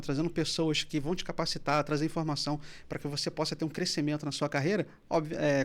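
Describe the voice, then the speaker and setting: A man hosting a finance podcast in a studio, reading sponsor spots and opening an interview with energy. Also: on the high side. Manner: fast, enthusiastic, loud welcome. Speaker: podcast host.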